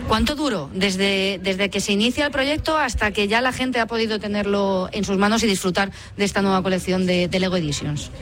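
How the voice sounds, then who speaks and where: A woman's voice: medium pitch, fairly quick, hardly any pauses. A woman reporter interviewing a guest on location, asking chatty, prompting questions.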